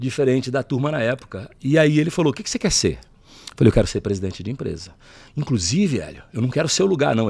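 The voice moves at a very fast pace with very wide pitch swings. Vocal fry is present. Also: man. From Belo Horizonte, Minas Gerais, Brazil. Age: 50s. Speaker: business executive and board adviser; podcast guest, speaker. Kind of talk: casual interview. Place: studio. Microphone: studio mic.

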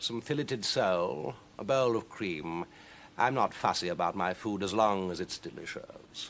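The passage is plain reading aloud. Nothing more is done with it.

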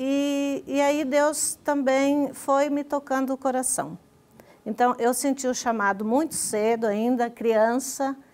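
This woman has a high pitch and speaks at a very slow pace, her intonation fairly even and her loudness very even. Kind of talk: TV interview. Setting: TV studio. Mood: calm, reflective. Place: studio.

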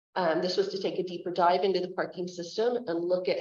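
A woman with audible room echo. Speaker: city government official. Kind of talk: policy presentation. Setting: meeting room with live audience. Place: meeting room.

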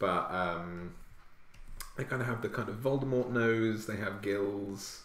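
In a room with audible echo, a man speaks very slowly. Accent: southern English. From southern England. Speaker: fantasy artist and streamer; artist streamer. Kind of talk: casual live stream chat. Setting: live video stream. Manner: animated; rambling. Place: home room.

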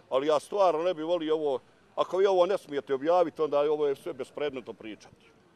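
A man's fairly high voice, very fast in pace, with ordinary pitch variation. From Bosnia. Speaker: lawyer. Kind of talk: news interview. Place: street.

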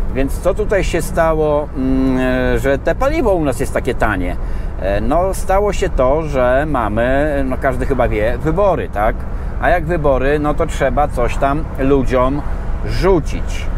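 Speaking at a very slow pace, a man is heard in a dry sound with no echo, with noticeable background noise. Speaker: driver vlogger. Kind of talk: casual vlog chat. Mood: mildly sarcastic, opinionated. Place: car. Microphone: camera far.

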